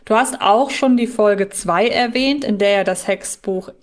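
Woman, podcast co-host, mid-pitched voice, casual discussion, inquisitive, thinks aloud. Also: unhurried. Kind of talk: casual discussion between fans.

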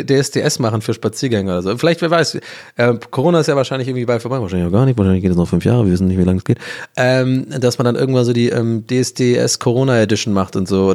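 A male podcast host thinking out loud in a loose, rambling monologue. He often laughs at his own ideas and mocks himself. His voice sits at an average pitch. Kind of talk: casual solo podcast monologue.

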